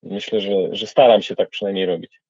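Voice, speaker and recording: A man's voice: on the low side, fairly even intonation, fairly quick, darkish tone, breathy edge, no room sound, highs cut off. A man, a rapper, answering interview questions in a reflective, colloquial way.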